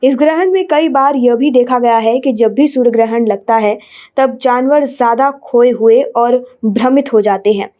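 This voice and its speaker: A woman's voice: on the high side, moderate pace, dark tone. A woman news presenter narrating scripted bulletins in a formal, read-out manner.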